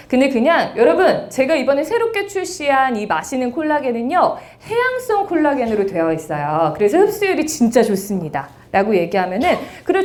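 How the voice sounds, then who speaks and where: A woman speech lecturer giving an interactive seminar lecture in a university lecture room, talking straight to her audience. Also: a little high. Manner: lively, addresses the audience directly.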